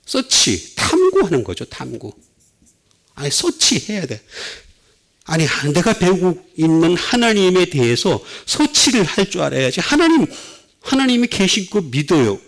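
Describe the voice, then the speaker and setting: A middle-aged male pastor preaching a sermon, with sudden swings between loud and soft. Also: high-pitched, wildly swooping pitch, unhurried.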